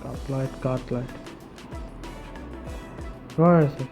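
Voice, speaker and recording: A gaming YouTuber giving casual, halting gameplay commentary, often muttering to themselves. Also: mid-range voice, steady tone. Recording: faint game music behind.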